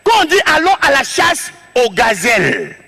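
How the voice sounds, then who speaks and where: Stand-up man, West African French accent, animated storyteller, very high and sharp voice. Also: moderate pace, soft background music. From Togo. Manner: animated, acts out scenes, shouts and drops to low asides. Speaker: stand-up comedian. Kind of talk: comic storytelling on stage.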